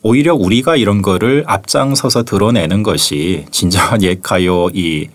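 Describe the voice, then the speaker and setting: A man's voice: low-pitched, moderate pace. A man in his forties, a music historian guest in a small studio, explaining in fluent, orderly sentences without notes, close to a studio mic. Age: 40s. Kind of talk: studio interview. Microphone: studio mic on arm, close.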